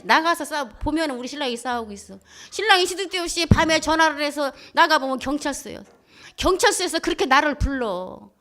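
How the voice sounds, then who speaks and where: Woman pastor giving a lively testimony. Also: high-pitched. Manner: lively colloquial storytelling, acting out quoted voices. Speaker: pastor and head of a Christian broadcaster. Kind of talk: church testimony.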